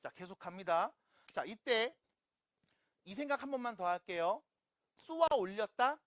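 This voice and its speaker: Lively math teacher, checking in often. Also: medium pitch, no echo. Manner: keeps checking in with rhetorical questions; playful asides to the viewers. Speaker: math lecturer. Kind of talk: online math lecture.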